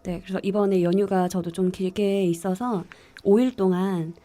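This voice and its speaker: A woman's voice: mid-range voice, fairly even intonation, normal speed, warm tone. A woman from the Gyeongsang countryside with a mostly standard Seoul accent, chatting casually and often laughing as she talks. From rural mountainous Gyeongsang, South Korea. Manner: giggly, often laughs while talking. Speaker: radio show guest or co-host. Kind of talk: casual chat, personal anecdotes.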